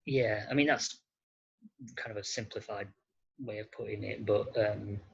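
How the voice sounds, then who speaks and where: Podcast guest: husky and unhurried, halting as they search for words, dull lo-fi recording. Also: mid-range voice, steady tone. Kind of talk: interview conversation. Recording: muffled lo-fi audio.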